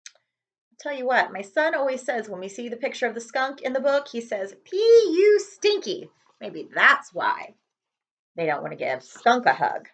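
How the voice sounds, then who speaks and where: A woman reading a children's storybook aloud as host, expressive and speaking directly to young listeners with friendly asides. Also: fairly high pitch, moderate pace. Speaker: read-aloud host, librarian.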